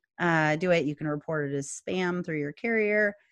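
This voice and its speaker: A woman's fairly low, unremarkable speaking voice with lively intonation, at a moderate pace over a quiet background. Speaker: fraud prevention expert and podcast co-host. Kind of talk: casual podcast conversation.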